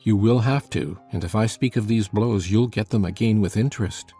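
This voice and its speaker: A woman voicing a sullen, coldly defiant boy who makes blunt threats in a deep, changed voice. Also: moderate pace, dark tone, husky, faint music behind. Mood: coldly threatening.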